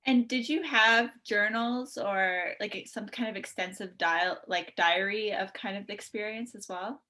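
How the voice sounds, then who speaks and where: A woman's voice: mid-range voice, unhurried, sharp tone. A woman co-hosting a podcast in a casual, conversational interviewing style. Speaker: podcast co-host.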